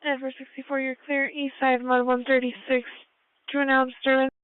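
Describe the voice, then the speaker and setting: High, flat-toned woman on police radio. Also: a little fast, clean tone, dry recording. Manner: terse, clipped call-sign phrasing. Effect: police radio transmission. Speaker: police dispatcher. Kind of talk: radio dispatch traffic. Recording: tinny narrow-band scanner radio.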